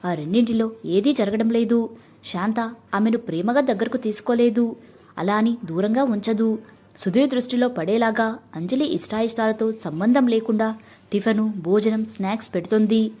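A woman narrating a family drama in a steady, measured storybook reading. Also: fairly high pitch.

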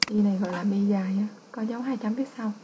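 A woman's voice: medium pitch, steady tone, racing, background noise. A woman English teacher with a Vietnamese accent, patiently explaining test answers and repeating each word.

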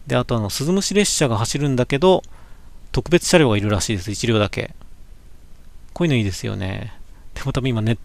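A man's voice: medium pitch, fast, creaky, long pauses. A man chatting casually through a slideshow of his cycling trip, musing aloud, correcting himself and reading signs with many small fillers. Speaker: cycling vlogger looking back on a trip. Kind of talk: casual slideshow commentary for a live stream. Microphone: webcam.

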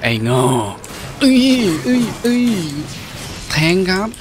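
A man's voice: sits high, sing-song, slow. A man doing gameplay commentary, full of exclamations and interjections as he reacts to play. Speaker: video game streamer. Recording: game music behind the voice. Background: video game music and effects.

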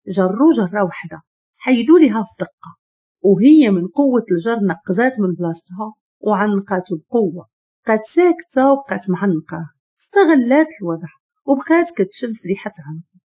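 A woman with a Moroccan Arabic accent narrating a romance story in a steady, even storytelling voice. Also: mid-range voice, brisk, husky, dull audio.

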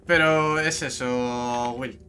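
A man's voice: medium pitch, steady tone, slow pace, bright, forceful tone. A man chatting casually on voice chat, teasing and arguing his point.

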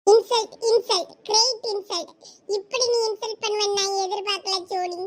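ஒரு பெண் நடிக்கும் கிராமத்து இளைஞன், மிக உயர்ந்த குரலும் பளிச்சென்ற ஒலியும் கொண்டவன். பெருமையடித்துக் கொண்டு, கிண்டலாகவும், பொய்க் கோபத்துடனும் பேசுகிறான். நகைச்சுவை நாடகத்தில் கேட்கும் குரல் இது. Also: female voice, very high-pitched, moderate pace, pushed and bright. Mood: cocky. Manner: cheeky, show-off, mock-offended. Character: boastful village young man in a lungi. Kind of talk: comic skit acting.

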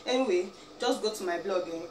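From a chair in a small indoor room, a Nigerian woman from Abia State with an Igbo accent delivers an animated vlog rant to a camera a few feet away. Her mid-range voice moves a little fast, emphatic and pleading, full of "eh?" and "biko," and the home audio is roomy, distant, and noisy.

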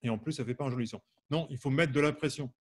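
A man's voice: medium pitch, fast. A man from France's Champagne region teaches a live online harmonica class. He talks in a loose, chatty way, poses questions to his viewers and answers them by name. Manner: asks the audience questions, many fillers. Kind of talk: live online music lesson.

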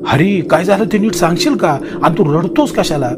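A man doing a gruff, blustering village father. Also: a little high, normal speed, voice pushed up, close to an everyday voice. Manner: blustering, scolding. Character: gruff village father, middle-aged, stubborn. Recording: loud hiss with crickets.

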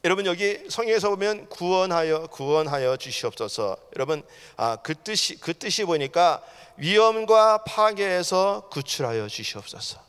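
A man preaches a fervent sermon in a church sanctuary, talking straight to his congregation. His voice sits very high and rings out smooth and resonant. It swings from loud outbursts to near-hushed asides, and a long reverb trails behind it. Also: expressive, normal speed. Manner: keeps addressing the congregation directly. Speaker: pastor.

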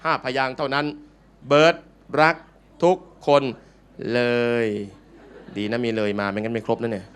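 A Buddhist monk giving a playful, joking dharma talk to a live audience in a large meeting hall. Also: male voice, medium pitch, lively intonation, moderate pace, pauses often, a bit bright, clean tone.

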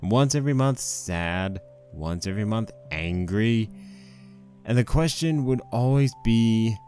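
Man acting a deep-voiced, rambling stallion husband. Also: lively intonation, measured pace, a little mellow, soft background music. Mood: wry storytelling. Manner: conversational, rambling, wry. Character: rambling, sheepish young married stallion pony husband. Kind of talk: first-person fan fiction monologue.

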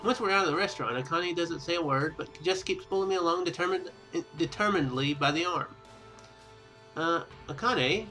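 A man's voice: fairly high pitch, fairly quick, bright, forceful tone, rough recording. A young man hosting a casual game playthrough, reading narration aloud and commenting, sometimes stumbling over words and rereading them. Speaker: let's play host. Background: game music.

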